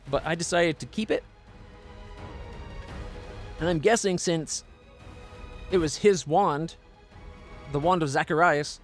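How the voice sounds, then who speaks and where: Male game streamer, slightly high voice, casual commentary, thinking aloud, light music behind. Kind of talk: casual live playthrough commentary.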